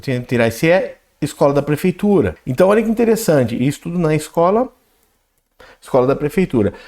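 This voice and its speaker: A man teaches programming in a screen-recorded coding lesson. He explains as he types and reads the output aloud, often adding a quick "né?". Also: on the high side, a little mellow. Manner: talks while typing code, reads output aloud, frequent "né?" and "ok?". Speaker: programming instructor.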